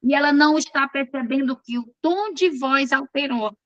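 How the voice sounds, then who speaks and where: A woman's voice: sits high, moderate pace, a bit bright, dry recording, lo-fi sound. A woman teaching an online class. She reads from course notes and keeps checking in with her students in a chatty, informal way.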